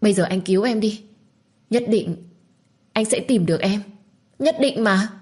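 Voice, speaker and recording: A woman's voice: moderate pace, a little mellow, close to an everyday voice. A woman voicing a desperate young woman who begs tearfully to keep her child. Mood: pleading tearfully. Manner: tearful, begging, high and pressing.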